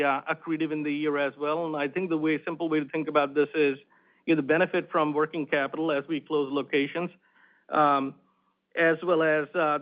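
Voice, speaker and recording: A man working as a finance executive, explaining figures on an earnings call in a halting, filler-heavy way. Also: fairly high pitch, dull audio. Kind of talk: answering analyst questions on an earnings call.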